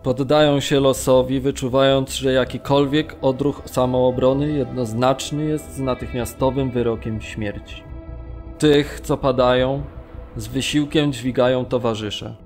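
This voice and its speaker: A man acting a camp prisoner in a radio drama, narrating gravely and with measured restraint, as testimony. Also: mid-range voice, steady tone, darkish tone, faint music behind, lightly acted. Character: male Polish camp prisoner recalling brutality, grave, restrained. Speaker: narrator reading witness testimony.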